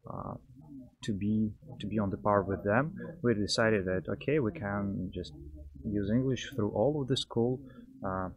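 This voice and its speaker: A fairly low-voiced man hosts a live stream in a busy lecture hall during a break. His talk is casual and halting, full of fillers and small self-corrections. A crowd chats clearly in the background. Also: dull audio. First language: Russian. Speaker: livestream host at a science winter school. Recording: live event mic with crowd chatter behind.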